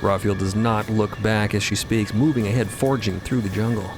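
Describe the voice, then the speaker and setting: A man's voice: on the low side, steady tone, normal speed, music in the background. A man giving dramatic scripted narration as the narrator of an audio story.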